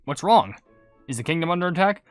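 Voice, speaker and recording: A man's voice: fairly high pitch, lively intonation, brisk, no room sound, studio quality, soft background music, close to an everyday voice. A man reading the part of a friendly, curious young gingerbread cookie hero from a game. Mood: concerned.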